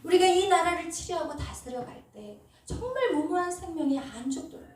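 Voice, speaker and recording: A woman's voice: very high-pitched, animated, fairly quick, darkish tone. A woman pastor preaching an emphatic sermon and trading amens with the congregation. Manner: emphatic preaching with call-and-response. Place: church sanctuary. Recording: echoey hall, distant mic.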